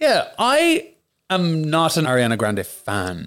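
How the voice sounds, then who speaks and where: A man with an Irish accent speaks at a fairly high pitch. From Ireland. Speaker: musical theatre performer and dancer. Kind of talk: casual interview chat.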